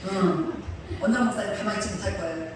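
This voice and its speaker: A woman pastor preaches in a storytelling style, animated and full of laughter, slipping into the voices of the people she describes. Her voice echoes heavily around the church sanctuary. The mic sits well away from her, with faint noise underneath. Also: mid-range voice, quick pace, far from the mic. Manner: animated storyteller, often laughing and acting out quotes. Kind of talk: sermon with personal stories.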